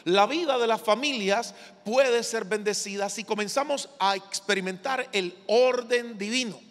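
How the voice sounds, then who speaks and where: High-voiced pastor preaching in a hall. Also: male voice, a bit bright. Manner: measured, emphatic preaching with call-and-response prompts. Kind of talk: sermon. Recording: long reverb of a large hall.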